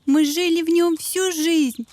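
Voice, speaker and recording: A woman's voice: extremely high pitch, fairly even intonation, a little slow, darkish tone. A woman voicing an anxious, grave refugee bird in a children's cartoon. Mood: fearful, grave.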